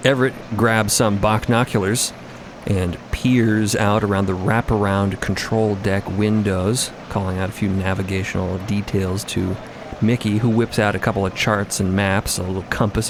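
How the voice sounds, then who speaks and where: A man's voice: on the low side, gravelly, background noise. A man narrating a fiction podcast in the present tense, vividly descriptive with conversational asides.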